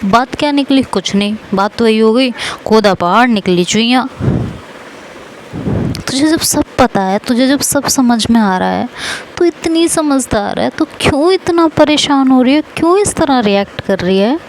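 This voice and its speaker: A woman's voice: on the high side, animated, unhurried, a little hiss or hum, rough recording. Woman doing a coaxing young friend. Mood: consoling. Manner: coaxing, affectionate. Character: young woman friend, teasing then tender, confesses love.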